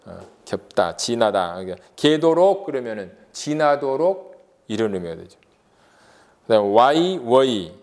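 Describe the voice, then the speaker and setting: A man's voice: medium pitch, very animated, unhurried, a little mellow. A man giving an exam-prep lecture, asking rhetorical questions and drawing out vowel sounds as examples.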